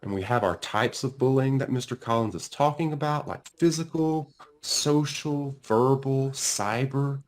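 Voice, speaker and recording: A man reading a children's storybook aloud as its author, with deliberate, dramatic emphasis. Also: medium pitch. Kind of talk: expressive children's storybook narration.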